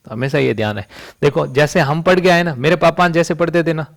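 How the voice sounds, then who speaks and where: Man, chemistry teacher, classroom lecture, higher voice, rhetorical questions. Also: a little fast, creaky. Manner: rhetorical questions, frequent "समझ रही बात?".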